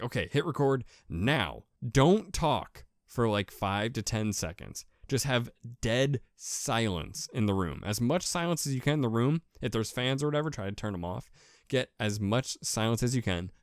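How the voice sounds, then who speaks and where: A man with a deep voice giving a casual, rambling how-to talk as a podcaster, repeating himself with enthusiasm. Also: no echo, studio quality. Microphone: USB desk microphone with pop filter.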